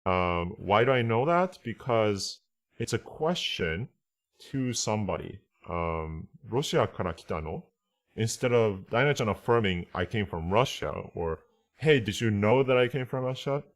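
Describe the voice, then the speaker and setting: A man with a low-pitched voice teaches a casual online language class. He explains and translates while thinking aloud, often pausing to check that everyone follows.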